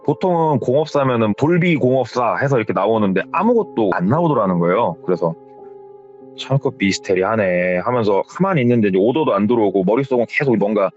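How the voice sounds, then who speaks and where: A man's voice: mid-range voice, animated, quick pace, hardly any pauses, a little mellow, highs cut off, faint music behind. A man telling a horror story casually, retelling what someone else told him in a conversational tone. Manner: conversational, retells secondhand with hearsay endings.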